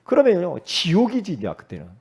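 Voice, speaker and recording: A middle-aged male pastor preaching, emphatic, swinging from loud exclamations to low asides and quizzing his congregation. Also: huge pitch swings, a little fast, breathy edge. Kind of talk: sermon.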